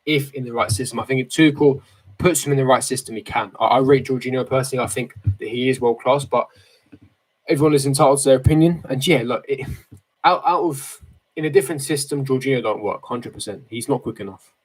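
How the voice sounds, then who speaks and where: Teenage lad in casual livestream chat. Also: male voice, mid-range voice, fast talker, husky, rough recording. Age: 18, late teens. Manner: slangy, opinionated, repeats himself for emphasis. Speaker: football fan streamer. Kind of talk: casual livestream chat, reading and answering viewer comments. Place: small bedroom, indoors. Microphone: desk microphone close in front.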